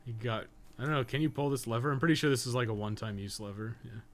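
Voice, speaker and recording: A man's voice: mid-range voice, fairly even intonation, very fast. A man rambling casually on a gaming live stream, swearing often as he talks. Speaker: gaming streamer and podcast co-host. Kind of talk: casual live-stream chat while playing.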